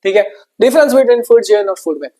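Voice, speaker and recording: A man's voice: high-pitched, expressive, slow pace, mellow. A man teaching a science lesson in a chatty, repetitive way, calling his students brother and mixing in English with an Indian accent. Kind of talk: online exam-prep lesson.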